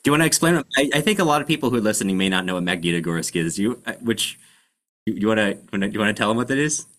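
Male podcast host, deep voice, casual explanatory delivery with halting searches for the right word. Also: animated, a bit bright. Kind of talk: casual book discussion.

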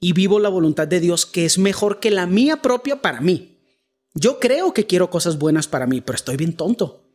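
Mexican man, high voice, easy joking co-host in a faith chat. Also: very animated, moderate pace, a little mellow, slightly rough. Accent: Mexican Spanish. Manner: joking, self-deprecating asides. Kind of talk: casual faith discussion.

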